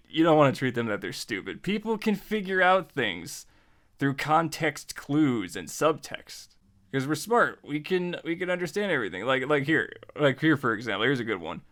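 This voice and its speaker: A man's voice: on the high side, sing-song, moderate pace, fairly bright tone. Casual, jokey American man teaching. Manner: jokey, conversational, addresses listener directly. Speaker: host of a writing tutorial series. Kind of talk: casual tutorial talk to the listener.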